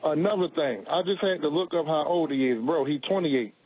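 A man's voice: fairly high pitch, a little fast. A forty-year-old man calling in to a sports show, blunt and casual, saying bro a lot. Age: 40s. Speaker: caller. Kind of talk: phone-in opinion. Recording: dull phone-line audio.

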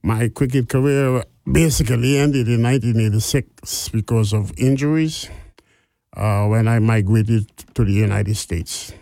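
A man in his sixties with a Guyanese accent, a guest on a talk show, speaking with hesitant pauses and restarts. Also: mid-range voice, gravelly, warm tone, no room sound. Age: 60s. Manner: hesitant, many fillers and restarts. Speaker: guest business owner. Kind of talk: interview.

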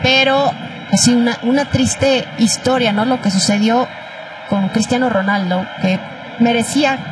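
High-voiced woman calling soccer, noisy background. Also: measured pace. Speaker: sports play-by-play commentator. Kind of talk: live soccer commentary with casual chat.

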